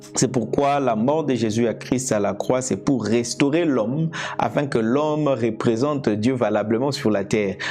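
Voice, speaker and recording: Amid noticeable background noise and audible room echo, a man talks fairly slowly at very even loudness. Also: medium pitch for a man, ordinary pitch variation. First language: Lingala (speaking French). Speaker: evangelist preacher. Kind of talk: sermon.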